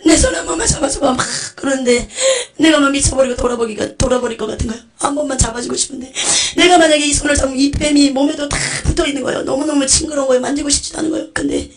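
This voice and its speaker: A woman's voice: high-pitched, steady tone, very fast. A woman giving a fervent, tearful testimony sermon, preaching with urgency. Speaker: testimony speaker.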